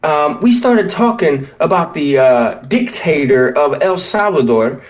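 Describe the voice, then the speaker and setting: High-voiced man ranting on a podcast. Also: animated, a little slow. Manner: heated, profane ranting. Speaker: podcast co-host. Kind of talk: casual podcast chat.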